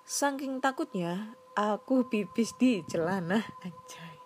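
A woman's voice: mid-range voice, expressive, takes it slowly, soft background music. A young woman narrating a first-person horror story in slangy, casual, dramatic storytelling over a noisy recording. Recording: noisy background hiss.

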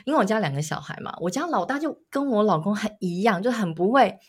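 A woman's voice: medium pitch, expressive, quick pace, husky. A woman co-hosting a casual chat podcast, a teasing storyteller who often bursts into laughter. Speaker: podcast co-host.

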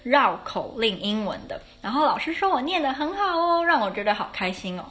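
A woman's voice: fairly high pitch, big pitch swings, a little fast, a bit bright. A young adult woman, hosting a casual solo podcast in a chatty way, often correcting herself and laughing now and then. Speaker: podcast host. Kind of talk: casual solo podcast chat about her classes.

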